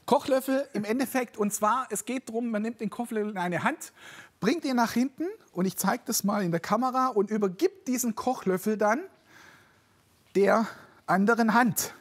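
A man's voice: high-pitched, normal speed. A man as a fitness trainer guest, explaining a shoulder exercise step by step with encouragement. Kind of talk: studio demonstration.

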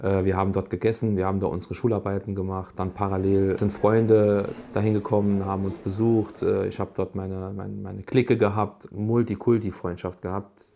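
A man in his thirties with a Saarland accent, talking in a halting interview with many fillers. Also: sits low, flat delivery, vocal fry, dark tone. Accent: Saarland German. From Germany (Saarland). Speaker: restaurant co-owner. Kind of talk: interview statement.

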